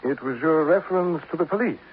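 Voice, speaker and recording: A man's voice: fairly high pitch, fast talker, natural voice. An actor playing a pompous, grandiloquent male poet in a 1950s radio drama, speaking in a formal, self-admiring way. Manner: grandiloquent, formal, addresses others as sir. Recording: tinny, hissy old radio broadcast.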